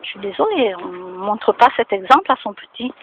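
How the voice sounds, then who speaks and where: A woman's voice: mid-range voice, sing-song, normal speed. A woman vlogging casually to camera, chatting and moralizing with many fillers, recorded outdoors near her home. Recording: tinny phone-like sound with faint noise.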